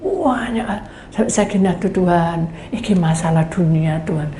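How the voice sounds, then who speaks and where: A woman's voice: fairly low pitch, normal speed, mellow. Lady pastor preaching, acts out voices, roomy echo, a bit of hiss. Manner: dramatic storytelling, acts out voices. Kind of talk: testimony sermon. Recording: echoey room, faint background noise.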